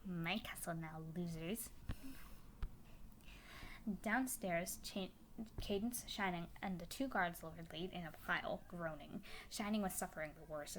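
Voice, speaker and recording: A woman's voice: lowish voice, slight background noise, rough recording. A woman narrating a fan story as a dramatic reading. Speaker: story reader.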